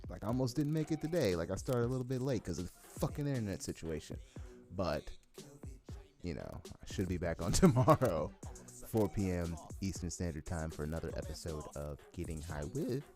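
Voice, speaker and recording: A man's voice: low-pitched, expressive, fairly quick, dark tone. Stoned, rambling man with music behind. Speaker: podcast host. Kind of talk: casual solo podcast chat.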